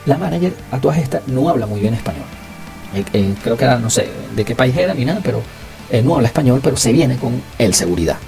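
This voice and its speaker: A young Venezuelan man hosting a podcast, telling stories in slangy, animated casual Spanish. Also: medium pitch, quick pace, gravelly, over music. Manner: slangy, animated, acts out dialogue. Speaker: podcast host. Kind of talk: casual storytelling.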